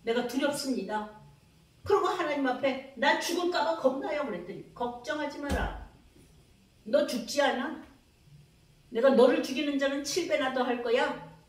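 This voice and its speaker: High-voiced woman pastor in an echoey hall. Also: normal speed, long pauses. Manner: dramatic, acts out her own prayers and God's replies; calls for amens from the congregation. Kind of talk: revival sermon. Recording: very echoey hall, mic from a distance.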